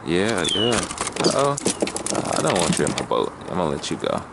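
A man's voice: deep voice, very animated, normal speed, vocal fry. A man in a kayak on a reedy lake, patiently coaching a companion through catching and handling fish, recorded on a head-mounted camera. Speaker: angler teaching a companion to fish. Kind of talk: casual outdoor chat. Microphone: head-mounted action camera. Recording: noisy outdoor camera audio.

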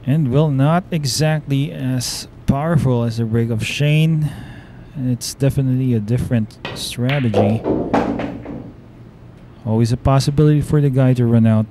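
A man with a Filipino accent giving relaxed, admiring play-by-play commentary on a pool match. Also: mid-range voice, moderate pace. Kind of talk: live sports commentary. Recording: noisy live stream audio.

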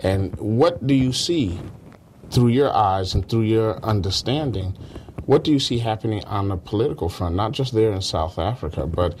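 A man interviewing someone conversationally, in a measured, attentive manner. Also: fairly low pitch, lively intonation, a little mellow, slight background noise.

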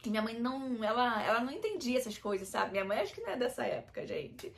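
This young adult vlogger, with a Brazilian Portuguese accent, has a slightly high, gravelly voice and talks fast and very animatedly. Calling her viewers "gente", she opens up to them candidly and emotionally in a personal vlog.

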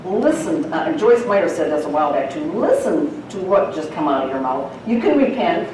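At a moderate pace and fairly low pitch, a very animated woman gives a chatty, down-home Bible teaching to her congregation, laughing a lot along the way. The recording, made far off in an echoey church sanctuary, has a noisy background.

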